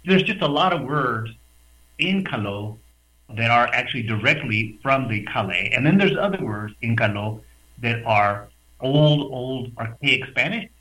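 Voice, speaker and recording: A man from the West Texas border region, a radio guest speaking over a video call, explaining in a lively, thoughtful way with hesitant restarts. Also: medium pitch, a little slow, low-quality recording. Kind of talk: conversational explanation.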